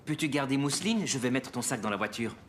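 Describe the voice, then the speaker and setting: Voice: medium pitch, animated, fast talker, a little hiss or hum, natural voice. An actor voicing an easygoing, cheerful father of small children in a children's cartoon dub. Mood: cheerful, relaxed.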